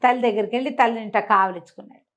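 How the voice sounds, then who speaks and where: A woman's voice: fairly high pitch, racing, fairly bright tone. A woman tells a folk tale conversationally, repeating phrases and slipping in small explanatory asides. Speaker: storyteller.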